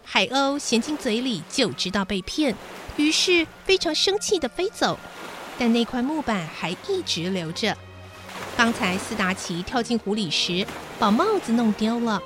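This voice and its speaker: A woman's voice: fairly high pitch, animated, normal speed, fairly bright tone. A woman hosting a children's show, narrating a bedtime story expressively. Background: background music.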